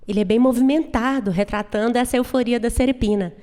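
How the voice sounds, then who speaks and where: A woman explaining an opera at a university talk, animated and full of asides. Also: on the high side, a little fast, faint music behind. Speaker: music lecturer and pianist. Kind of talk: live lecture on an opera. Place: university auditorium. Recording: long reverb of a live hall.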